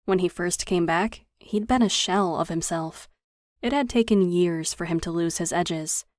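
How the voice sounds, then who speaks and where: A woman reading a novel aloud as an audiobook narrator, measured and even, close to the mic. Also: on the low side, dry recording. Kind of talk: scripted narration.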